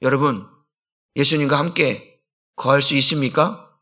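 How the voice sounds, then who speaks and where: A middle-aged man, a senior pastor, preaching a sermon in a church, swinging between loud exclamations and hushed low lines. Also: measured pace. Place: church sanctuary.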